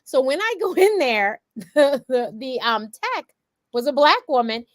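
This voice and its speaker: A woman's voice: high voice, very animated, unhurried, no echo. A woman in her forties hosting a talk show, who tells a story with animation and acts out her own quotes. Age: 40s. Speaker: host. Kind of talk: casual talk show chat.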